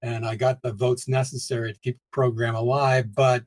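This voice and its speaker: A man's voice: medium pitch, level tone, moderate pace, rough recording. An older man from the Pittsburgh area, a guest in a conversational interview, speaking reflectively and chuckling often between points. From United States, Pittsburgh area.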